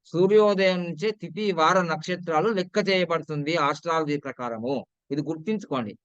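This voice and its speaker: Telugu-accented man, casual talk, chatty, repetitive, smooth voice, dry dull lo-fi sound. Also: a little high, brisk, a bit bright, dry recording. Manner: chatty, repetitive, asks viewers to comment. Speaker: numerology and astrology presenter.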